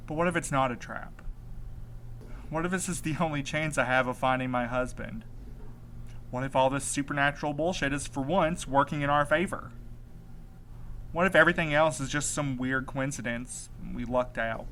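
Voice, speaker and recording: A man plays an earnest, determined man desperate to find his missing husband. His voice sits at a middle pitch and is hesitant in delivery. It is an audio drama scene with clear ambient noise behind him. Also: normal speed, fairly bright tone, lightly acted. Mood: pleading, earnest. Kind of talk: audio drama podcast acting. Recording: clear background noise, ambient sound bed.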